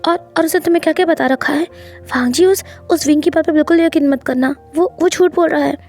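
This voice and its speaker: A woman's voice: sits high, a little fast, darkish tone, soft background music, voice pushed up. A woman voicing a scheming young woman who stammers defensively when caught out. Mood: flustered.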